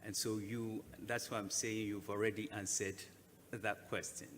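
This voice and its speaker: A man speaking deliberately and explaining a point as a conference speaker. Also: lowish voice, little pitch movement, a bit bright. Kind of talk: answering at a conference. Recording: reverberant hall with faint noise.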